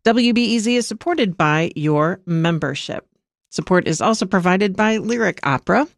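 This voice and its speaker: Measured radio newscaster, dry sound. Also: medium pitch, dry recording. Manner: steady, measured news delivery. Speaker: news reader.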